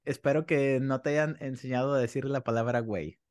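A man's voice: medium pitch, a little slow, no room sound, studio quality. A man hosting an interview podcast, chatting informally and casually with his guest.

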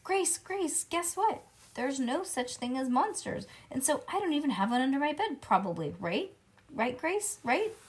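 A woman voicing an excitable, pushy little schoolgirl who talks in insistent, rambling bursts. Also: a little high, normal speed.

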